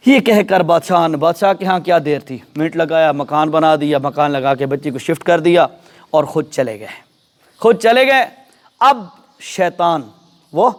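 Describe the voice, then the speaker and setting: A man preaches in a mosque, telling a story with lively, animated delivery. His voice sits high for a man. He often turns to ask his listeners whether they follow. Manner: animated storyteller, addresses audience directly. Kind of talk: sermon storytelling.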